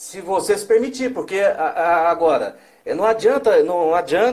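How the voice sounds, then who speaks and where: A man with a Minas Gerais accent talks in a high pitch. His intonation is lively. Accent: Mineiro Brazilian Portuguese. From Brazil, central-west Minas Gerais. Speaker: radio announcer and voice-over artist. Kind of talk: interview.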